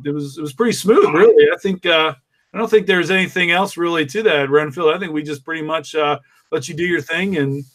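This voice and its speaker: Rambling man with a higher voice. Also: bright, forceful tone. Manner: rambling storyteller, acts out quotes. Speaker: podcast creator. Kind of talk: casual chat on a video call.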